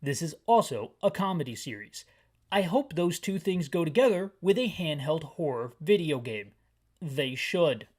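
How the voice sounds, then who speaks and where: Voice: medium pitch, expressive, normal speed, darkish tone, husky. Wry, rambling game playthrough narrator. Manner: wry, rambling, self-interrupting asides. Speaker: let's player and audio describer. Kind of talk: descriptive game playthrough with comic rants.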